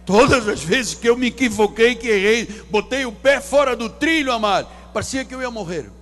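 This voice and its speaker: A man pastor, preaching a sermon from the pulpit with theatrical swings between loud and hushed delivery. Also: extremely high pitch, lively intonation, fairly quick, soft background music. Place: church sanctuary.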